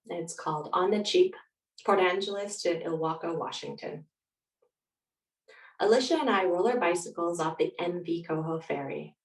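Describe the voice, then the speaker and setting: A woman speaking as a guest author, in a thoughtful, reflective way. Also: fairly low pitch. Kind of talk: reflective interview answers and reading aloud. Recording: roomy echo, distant mic.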